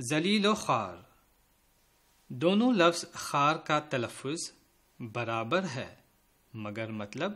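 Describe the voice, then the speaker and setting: Lively, higher-voiced man teaching children. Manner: slow, careful spelling out of letters; addresses pupils directly and kindly. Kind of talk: school lesson for children.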